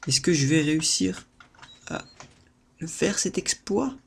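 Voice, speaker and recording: A man commentating his own gameplay as a video host, excitable and theatrical, repeating words and breaking into sudden high-pitched outbursts while talking to his viewers. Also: a little slow, creaky, slight background noise. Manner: playful theatrical exclaiming, addresses viewers. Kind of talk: let's-play gameplay commentary.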